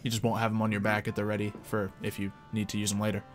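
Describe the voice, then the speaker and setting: A man's voice: lowish voice, completely flat delivery, racing. A man speaking casually as the game master of a tabletop roleplaying game. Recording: music playing behind the voice. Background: background music.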